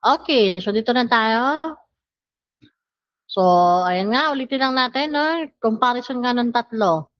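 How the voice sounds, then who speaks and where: A woman teaching pronunciation in an online language lesson, drawing out syllables slowly for her students to repeat. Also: on the high side, no room sound. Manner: slow, drawn-out syllable drills. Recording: dull lo-fi sound.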